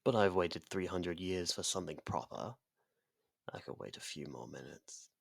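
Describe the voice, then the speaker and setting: Male actor as ancient domineering vampire, low-pitched, breathy, seductive, deliberate, theatrical ASMR monologue, close dry sound. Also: expressive, no echo, heavily acted. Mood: dominant, savoring. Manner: slow, deliberate, theatrical, often dropping to a whisper.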